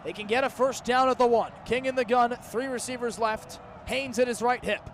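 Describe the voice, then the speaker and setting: Young man, high-pitched voice, radio football play-by-play, clipped urgent phrasing, faint outdoor stadium noise. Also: moderate pace. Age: 20s. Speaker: play-by-play announcer.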